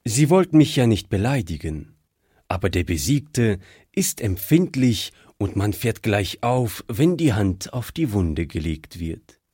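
A man's voice: fairly low pitch, sing-song, a little slow, dark tone, husky, no echo, clean studio sound, exaggerated voice. A man reading as an earnest pastor, proud and touchy. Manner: earnest, soothing, grows agitated. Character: Alsatian pastor, middle-aged man, gentle but proud and easily stirred.

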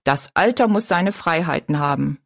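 A woman's voice: fairly low pitch, lively intonation, creaky, no room sound, clean studio sound. A woman voicing a tall, thin, dignified male circus giant who speaks with courtly politeness. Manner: courtly and slow, bowing politeness.

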